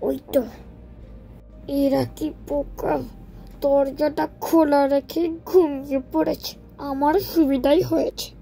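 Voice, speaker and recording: A woman's voice: high voice, level tone, slow, creaky, dark tone, faint music behind, heavily acted. A woman voicing a greedy, sly younger brother in a cartoon moral story, talking in an exaggerated way. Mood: sneaky, gloating. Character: scheming, greedy younger brother, a village husband and thief.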